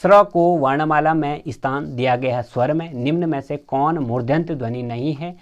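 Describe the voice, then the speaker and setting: A man's voice: on the high side, moderate pace, no echo. A man teaching a grammar lesson in quiz form. He reads each question aloud and then explains the answer, with frequent fillers, calling his viewers friends.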